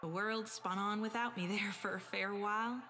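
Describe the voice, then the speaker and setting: A woman's voice: medium pitch, fairly even intonation, normal speed, pushed and bright, a little hiss or hum, close to an everyday voice. An actress playing a spirited, stubborn young village girl in an audio drama, plain-spoken, with rustic turns of phrase. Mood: somber recollection.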